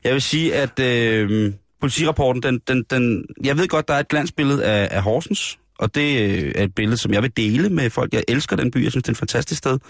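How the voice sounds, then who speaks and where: En mandlig radiovært i en komisk snak, der med gravalvorlig, tør tone læser lokale politinyheder op og ofte tøver og starter forfra. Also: male voice, mid-range voice, vocal fry, few pauses, dry recording, studio quality. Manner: mock-solemn, deadpan reading of news; many fillers and hesitant restarts. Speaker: radio comedy host. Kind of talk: improvised comic radio banter. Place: radio studio.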